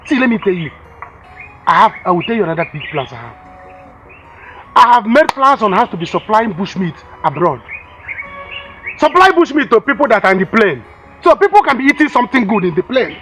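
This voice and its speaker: A boastful Nigerian village husband coaxes and brags about his schemes, played by a man. His voice sits very high and moves with lively swings. Faint noise runs behind. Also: a little fast, long pauses. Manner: boastful, coaxing.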